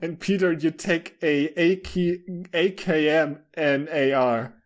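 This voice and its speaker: A man's voice: a little high, fairly even intonation, slow. A man voicing a commanding squad organiser from a story, listing out orders. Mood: instructing. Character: male squad organiser handing out weapons, brisk and commanding.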